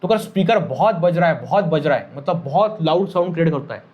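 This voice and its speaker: In this lo-fi recording, a man with a fairly high voice gives a physics lecture to a class, talking fast and with animation. He speaks Hindi mixed with English terms, repeats key phrases, and checks often that his students are following.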